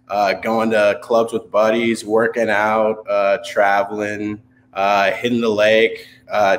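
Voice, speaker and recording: Easygoing man guest, mid voice, faint hum. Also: mid-range voice. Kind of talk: casual group video call.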